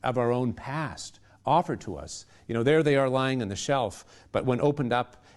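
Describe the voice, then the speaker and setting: A man with a mid-pitched voice speaks as an interviewer in a thoughtful conversation. He searches for his words, building elaborate, reflective phrases in a halting way. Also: lively intonation.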